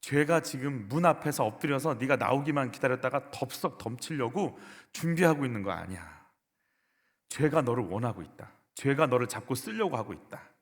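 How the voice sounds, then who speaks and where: A man's voice: medium pitch, expressive, moderate pace. A man, the senior pastor, preaching a sermon in a church and asking the congregation rhetorical questions with emphasis. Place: church sanctuary. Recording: echoey church hall.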